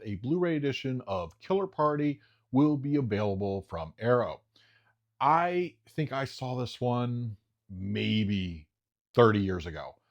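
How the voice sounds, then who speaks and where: A man casually talking through upcoming disc releases in a chatty, enthusiastic way, often pausing with "uh". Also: medium pitch, dull audio. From United States. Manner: chatty, enthusiastic, frequent uh fillers. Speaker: home video reviewer. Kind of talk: casual solo commentary.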